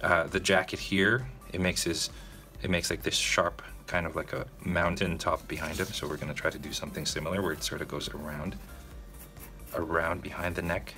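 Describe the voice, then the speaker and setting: Low-voiced man talking through a drawing. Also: level tone, moderate pace, sharp tone, faint music behind. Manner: casual, addresses viewers directly, frequent "okay?" check-ins. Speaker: drawing tutorial host. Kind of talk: narrated step-by-step drawing tutorial.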